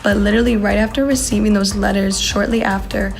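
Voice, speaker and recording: In an interview, a woman testifies earnestly about what her father did, speaking in short, accusing bursts. Her mid-range voice is brisk, gravelly and steady in tone, with soft music in the background.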